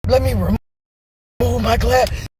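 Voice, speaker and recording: A woman's voice: fairly high pitch, steady tone, takes it slowly, background noise. A woman giving an impassioned, angry public statement as a grieving parent, emphatic and profane. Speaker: victim's parent speaking out.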